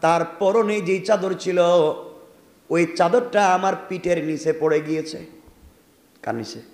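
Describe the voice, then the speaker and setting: A man with a fairly high voice and a Bangladeshi Bengali accent, preaching a storytelling sermon. He calls out to the crowd and rises into loud cries. The sound rings around a large hall with a long reverb tail. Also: fairly even intonation, moderate pace.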